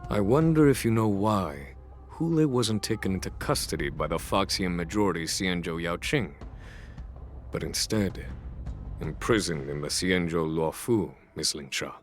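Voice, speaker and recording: A man voicing a stern, composed veteran military commander in a video game, speaking formally and deliberately. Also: sits low, lively intonation. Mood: measured, probing. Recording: music behind the voice.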